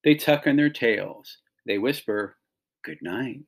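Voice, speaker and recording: In an expressive, slow delivery, a middle-aged man with a medium, slightly rough voice reads a picture book aloud to kids. He's a teacher guiding them through it, pointing things out and explaining in simple phrases.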